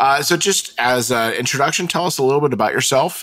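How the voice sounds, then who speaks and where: In a normal speaking voice, a man talks at a medium pitch and fairly quick pace with lively intonation. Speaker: podcast host. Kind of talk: interview conversation.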